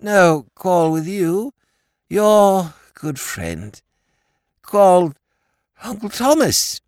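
A bumbling, childlike young lord speaks in slow, clipped scraps of sentences, as a reader puts him on. The voice sits far above the reader's own and swoops wildly. The sound is dry and close. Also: medium pitch, very animated, darkish tone, no echo, voice pushed up. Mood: blustering. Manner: clipped telegraphic phrases, slow and emphatic. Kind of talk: audiobook character voice.

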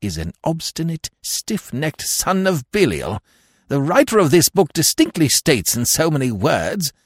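A man's voice: a little high, very animated, measured pace, gravelly, no room sound, clean studio sound, voice pushed up, heavily acted. A man voicing a dreamy, benevolent elderly lord in an audiobook, murmuring absent-mindedly and repeating himself. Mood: indignant. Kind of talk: comic novel audiobook character voice.

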